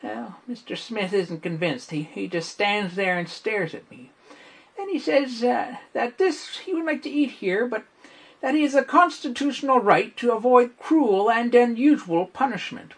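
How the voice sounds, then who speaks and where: A man's voice: extremely high pitch, a little slow, creaky, breathy edge, full character voice. A man playing a chatty, self-assured teenage schoolboy in a wry comic stage monologue. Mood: wry, unimpressed. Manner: animated, wry, conversational storytelling.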